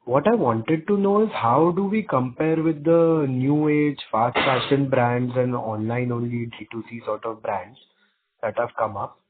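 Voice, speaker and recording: An Indian man asks questions as an analyst on an earnings call. His pitch is average for a man. The phone line makes him sound thin and muffled. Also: a little slow.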